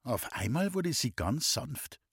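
Husky-voiced man reading a story. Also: medium pitch, big pitch swings, slow pace, fairly bright tone, no echo, clean studio sound. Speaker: audiobook reader. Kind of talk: storybook narration in first person.

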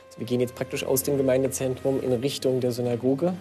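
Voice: medium pitch, flat delivery, mellow, faint music behind. A guide leading a tour through a building, explaining as they walk. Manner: explanatory, quick.

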